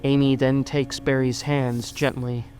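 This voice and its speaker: Casting: woman narrator with a remarkably deep voice, reading story narration over soft music. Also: flat delivery, unhurried.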